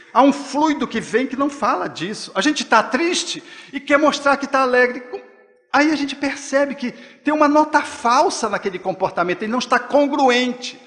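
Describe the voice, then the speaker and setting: A man with a Brazilian accent lectures at a spiritist gathering in a high voice. He is expressive and slips into the gentle voice of a parent talking to a child. His voice rings with the long reverb of a lecture hall. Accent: Brazilian Portuguese. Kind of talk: spiritist talk.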